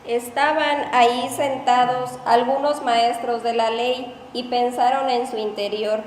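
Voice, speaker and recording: A woman reading Bible passages aloud in a steady, plain way. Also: fairly high pitch, a little slow, a little hiss or hum. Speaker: scripture reader. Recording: echoey hall with long reverb, faint ambience.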